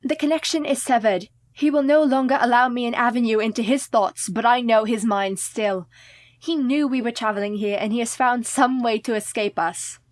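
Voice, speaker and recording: An actress playing a haunted but clever young wife in a radio play, formal and composed. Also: female voice, a little high, moderate pace, lightly acted. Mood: fearful. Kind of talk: community radio play acting.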